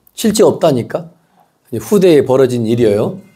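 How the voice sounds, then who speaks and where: The man's voice has a dark, mellow tone. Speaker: Buddhist monk teaching sutra class. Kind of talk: dharma lecture.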